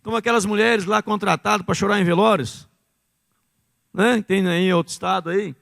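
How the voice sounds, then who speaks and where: A middle-aged Brazilian man with a Brazilian Portuguese accent, preaching fervently in a church, dropping to hushed low phrases and rising to loud cries. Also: steady tone, normal speed, gravelly, no echo, long reverb tail. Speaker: pastor. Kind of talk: sermon. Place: church sanctuary.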